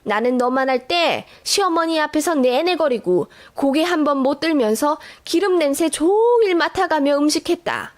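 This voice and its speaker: A woman voicing a sharp-tongued, scolding older mother-in-law in a radio drama who talks with shrill contempt. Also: animated, moderate pace. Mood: scornful.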